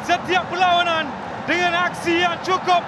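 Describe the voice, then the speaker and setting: A man calling a football match, excitable and dramatic, building to shouts at big chances. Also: extremely high pitch, moderate pace. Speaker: play-by-play commentator. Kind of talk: football commentary. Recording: broadcast with loud stadium crowd. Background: loud crowd noise.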